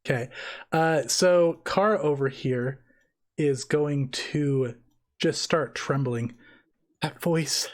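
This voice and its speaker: A woman's voice: extremely low pitch, slow pace. A woman running a tabletop roleplaying game as game master, talking casually and playfully.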